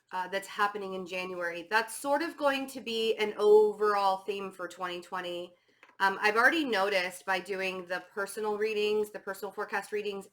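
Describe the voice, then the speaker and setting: A woman giving a casual tarot reading, her voice hoarse and stuffy, chatting with many fillers and restarts. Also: mid-range voice, sharp tone. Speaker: tarot reader.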